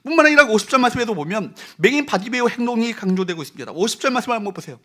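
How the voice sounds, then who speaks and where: Rapid-fire and animated, this male pastor's very high voice has a sharp tone as he preaches a Sunday sermon in a church sanctuary. He asks the congregation rhetorical question after rhetorical question, emphatically, and has them read verses aloud with him.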